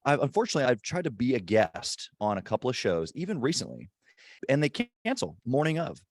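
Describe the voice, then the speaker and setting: A man with a deep voice hosting a casual podcast interview from an airport, emphatic and hyped but holding his volume down. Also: sing-song, a little fast, dry recording, studio quality. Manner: emphatic, hyped-up, kept quiet in a public spot. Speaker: podcast host.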